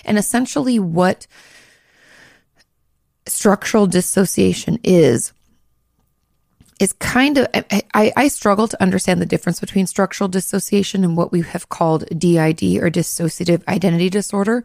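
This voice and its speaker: A woman hosting a podcast, a little hoarse, chatting casually and hedging with frequent likes and restarts. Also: on the low side, moderate pace, a little mellow, dry recording, clean studio sound. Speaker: podcast host, therapist.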